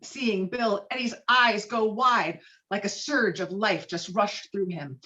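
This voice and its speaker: A woman reading screenplay stage directions with dramatic, expressive delivery over a video call. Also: medium pitch, slow pace, poor audio. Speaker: stage directions reader at a table read.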